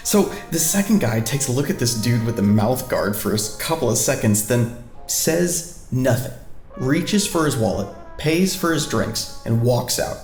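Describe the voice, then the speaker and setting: A man's voice: medium pitch, expressive, moderate pace, a little mellow, lightly acted. Man acting an easygoing storyteller, roomy sound. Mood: amused, relaxed. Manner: chatty, playful storyteller. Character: easygoing man telling bar anecdotes over dinner. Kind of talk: audio drama dialogue, casual chat. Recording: roomy echo, music behind.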